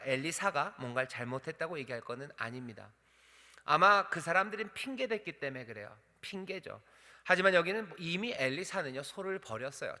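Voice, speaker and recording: A man's voice: medium pitch, bright, forceful tone. A male pastor preaching a sermon, asking the congregation questions and dramatically acting out the voices in the story. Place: church sanctuary. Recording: church hall reverb.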